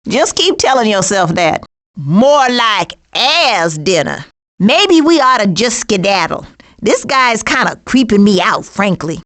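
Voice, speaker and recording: A woman voicing a sassy, streetwise, sarcastic female skunk with slangy wisecracks in an animated video game. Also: medium pitch, measured pace. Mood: wry, sarcastic.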